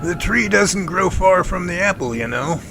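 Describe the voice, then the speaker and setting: A man playing a creaky-voiced, jovial professor dad. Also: high voice, lively intonation, normal speed, noisy background. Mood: playful, curious. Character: jovial, playful professor father, teasing his daughter. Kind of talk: amateur radio drama acting.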